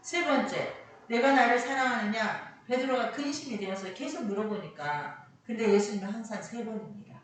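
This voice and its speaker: A woman preaching a Sunday sermon with a lively, rising and falling voice, stressing and repeating her key lines. She is heard from some distance in a very echoey church hall. A faint hum of noise sits under her voice. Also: medium pitch, brisk. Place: church sanctuary.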